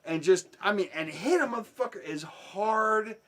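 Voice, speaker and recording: Profane, animated male storyteller. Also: sits high, normal speed. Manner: profane, animated, swings from hushed to shouting. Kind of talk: casual anecdote telling.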